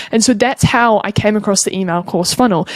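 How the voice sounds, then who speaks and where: A woman talks at a fairly quick pace in a New Zealand accent. Her pitch sits in the medium range. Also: dry, close sound with no echo. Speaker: marketing agency owner. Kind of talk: tutorial. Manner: fast.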